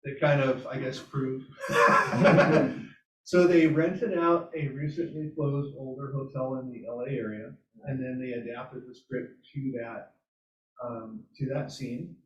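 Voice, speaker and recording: A man's voice: medium pitch, steady tone, takes it slowly. A man giving an informal presentation at a club meetup, telling anecdotes and acting out his own reactions. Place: meeting room at a hybrid club meetup. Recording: echoey room, distant mic, muffled sound.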